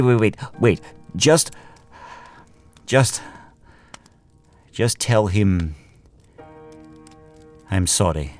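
Man acting as rich middle-aged crime boss, self-satisfied, audio drama, low voice, music underneath. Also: vocal fry, a little mellow, full character voice. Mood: frightened, pleading. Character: wealthy middle-aged crime boss, smug then pleading.

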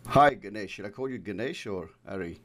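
A man hosting a trading podcast and interviewing a guest in a measured, friendly way. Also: on the low side, lively intonation, a bit bright. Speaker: podcast host and trading mentor.

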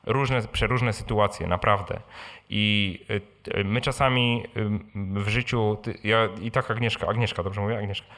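Before a live audience, the host of a personal finance Q&A answers questions casually, with repeated words and frequent tag questions. His lowish voice is a bit bright, fairly even in intonation and a little slow.

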